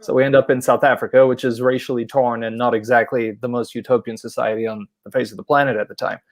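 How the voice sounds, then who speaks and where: Gravelly-voiced Polish-born coach, dry sound. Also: male voice, mid-range voice, quick pace, no room sound. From Poland. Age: about 40. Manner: relaxed storytelling. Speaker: university soccer head coach. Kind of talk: podcast interview.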